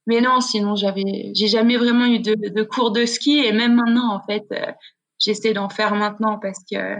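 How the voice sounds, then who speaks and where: A woman from Switzerland chats as a podcast guest at a mid pitch. She talks in a relaxed, slangy way, looping back and restarting her sentences as she tells her stories. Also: normal speed. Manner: chatty, slangy storytelling with many restarts. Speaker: guest, freestyle skier. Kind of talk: casual podcast chat.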